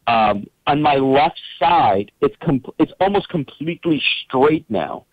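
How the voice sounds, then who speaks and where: A man's voice: a little high, lively intonation, unhurried, no room sound. A man calling in to a talk show, describing things at length in a rambling, hesitant way with many fillers. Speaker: caller. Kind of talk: casual phone-in chat. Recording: dull lo-fi call line.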